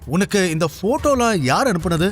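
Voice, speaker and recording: A man's voice: high-pitched, expressive, brisk, soft background music. A man voicing an irritated young husband who answers firmly and sarcastically. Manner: firm, exasperated, sarcastic.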